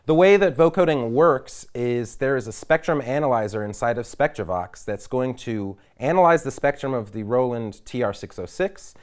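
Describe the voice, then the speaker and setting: A man giving an instructional demonstration as a product presenter, explaining in measured phrases. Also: mid-range voice, animated. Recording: loud drum machine and synthesizer behind. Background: drum machine and synthesizer sounds.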